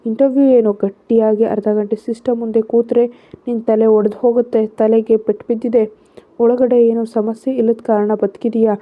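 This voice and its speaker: A bossy young woman scolds her friend sharply with a raised, higher voice, as a narrator puts her on. Her sarcasm cuts through a thin, phone-like sound. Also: level tone, normal speed, close to an everyday voice. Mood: scolding.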